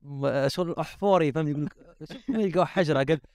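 Algerian male co-host, chatty and joking, quick talker. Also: fairly high pitch, a little mellow, no echo. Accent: Algerian Arabic. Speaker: podcast co-host. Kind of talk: casual podcast chat.

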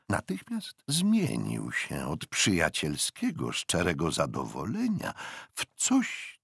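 An older man narrating a historical novel as an audiobook, with expressive, deliberate phrasing and dramatic pauses. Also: medium pitch, creaky, breathy edge, no echo, studio quality.

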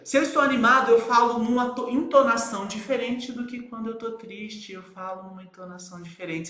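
A man's voice: sits high, bright, forceful tone, echoey room. A male teacher giving a recorded lecture, asking rhetorical questions and checking in with his students as he goes. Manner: didactic, asks rhetorical questions and checks in with "tá, gente?".

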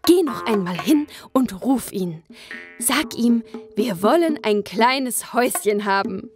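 A woman's voice: expressive, slow, a little mellow, faint music behind. An actress playing a nagging, greedy fisherman's wife in a fairy-tale radio play, whiny and coaxing. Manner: whiny, coaxing, high and sing-song.

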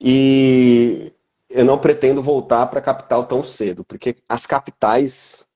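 A man in his thirties from Brazil, a teacher speaking as an interview guest on a video call through an earphone headset, calm and explanatory. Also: mid-range voice, a little slow, lo-fi sound. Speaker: biblical Hebrew teacher, guest.

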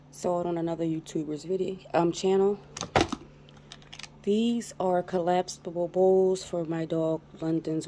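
A woman's voice: lowish voice, mellow. A woman vlogger giving a casual show-and-tell narration, recorded indoors on a handheld phone. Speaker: vlogger, channel host. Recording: noticeable background noise on phone recording.

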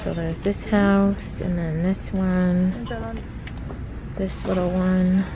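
A woman vlogger narrating a shop-with-me video in a store, calmly listing items and their prices. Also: fairly low pitch, slow pace. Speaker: lifestyle vlogger. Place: large retail store, indoors. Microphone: handheld phone camera. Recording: noisy store ambience. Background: store ambience.

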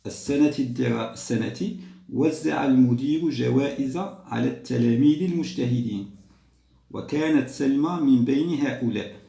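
A man, teaching a grammar lesson to young children patiently, repeating and drawing out words slowly. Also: mid-range voice, gravelly, mellow. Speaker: primary school teacher. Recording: roomy echo.

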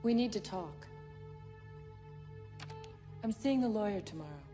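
A woman's voice: medium pitch, lively intonation, unhurried, lightly acted. An actress playing a tense businesswoman in a film drama, speaking in short, clipped lines. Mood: curt. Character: businesswoman Kate, tense and cornered. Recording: film soundtrack with loud music.

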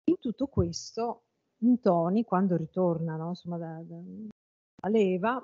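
A woman's voice: lowish voice, measured pace, dark tone, no room sound, highs cut off. A woman from Italy giving an adult education lecture in a thoughtful, hesitant way.

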